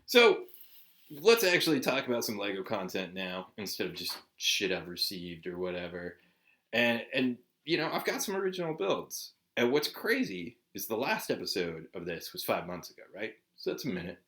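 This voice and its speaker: A man's voice: fairly low pitch, very animated, normal speed, fairly bright tone. A man in his forties from Southern California, chatting casually to camera as a vlog host, laid-back and swearing often with lots of "like" and "dude". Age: 40s.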